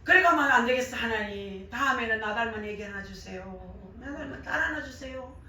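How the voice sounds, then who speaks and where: An older woman with a worn, hoarse voice and a Gyeongsang Korean accent, preaching with animated storytelling and acted-out remarks. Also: fairly high pitch, fairly quick, slight background noise. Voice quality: worn, hoarse voice damaged by years of crying out in prayer. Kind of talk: sermon with personal anecdotes. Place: church service, roomy indoor hall. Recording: very echoey church hall, distant mic.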